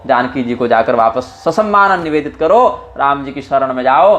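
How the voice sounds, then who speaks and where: A man giving a devotional scripture discourse, slowly chanting verses and then explaining them in plain speech. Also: medium pitch, expressive, fairly bright tone, muffled recording. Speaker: religious storyteller.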